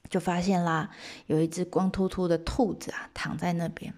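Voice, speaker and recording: A woman telling an old myth in a chatty, lively way with asides to her listeners. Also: lowish voice, normal speed. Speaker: storyteller. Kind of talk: casual myth storytelling.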